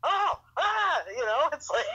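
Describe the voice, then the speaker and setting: A man on a casual gaming voice chat, talking animatedly and acting out excitement. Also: very high voice, low-quality recording. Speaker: fellow streamer on voice chat.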